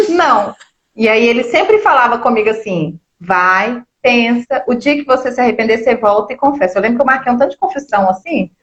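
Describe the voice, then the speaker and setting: A woman talks in a casual, earnest way, stumbling over fillers and repeating words as she speaks. Her voice sits fairly high. It comes through a roomy, slightly muffled online stream. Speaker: book club co-host. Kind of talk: casual religious discussion. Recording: echoey, somewhat dull online stream.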